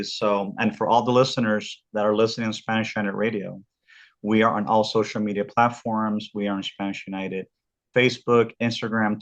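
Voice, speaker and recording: A man from Southern California hosting a casual podcast interview, talking in halting bursts and often repeating his words. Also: lowish voice, muffled recording. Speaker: podcast host.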